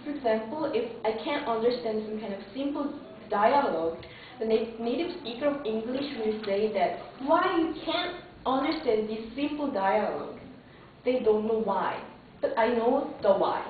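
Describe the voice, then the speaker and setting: A woman's voice: on the high side, lively intonation, moderate pace, a little hiss or hum. A young woman with a Korean accent answering in a job interview, earnest and a little hesitant. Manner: earnest, hesitant with restarts and fillers. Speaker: job applicant for English teacher. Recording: distant echoey lo-fi phone-like room recording.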